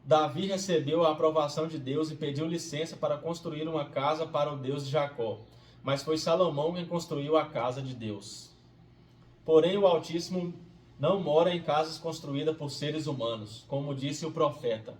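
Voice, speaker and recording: A man reading a Bible passage aloud and then reflecting on it as a devotional host, in a steady reading manner that turns quiet and conversational. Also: a little high. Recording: roomy, distant from the mic, faint hiss.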